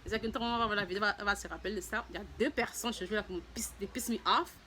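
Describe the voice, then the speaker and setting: A woman talks to her viewers in a relaxed, personal vlog at an ordinary middle pitch. Her speech is halting: she repeats words and restarts her sentences often. A faint background hum sits under her voice. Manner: voices other people's lines in a raised, lively tone. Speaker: vlogger. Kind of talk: casual personal testimony to viewers.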